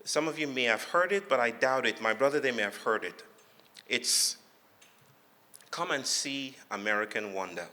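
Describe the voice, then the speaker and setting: A man from Nigeria with a Nigerian accent gives a public talk, reflective and playful, telling stories in measured phrases with dramatic pauses. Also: mid-range voice, animated, pushed and bright. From Lagos, Nigeria. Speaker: guest speaker giving a lecture. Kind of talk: public talk, storytelling with humour. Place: large hall before an audience. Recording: echoey hall with long reverb.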